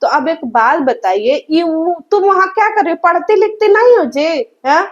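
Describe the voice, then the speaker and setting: High-pitched mocking woman vlogger. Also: expressive, moderate pace, highs cut off. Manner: mocking, scolding, addresses viewers as guys. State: sore throat. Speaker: reaction vlogger. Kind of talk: roast reaction commentary.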